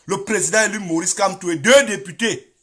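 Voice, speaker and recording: A man's voice: sits high, a little fast, pushed and bright, slightly rough. A middle-aged man with a Cameroonian French accent giving impassioned political commentary, repeating himself and exhorting his listeners. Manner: emphatic, repetitive, exhorting listeners.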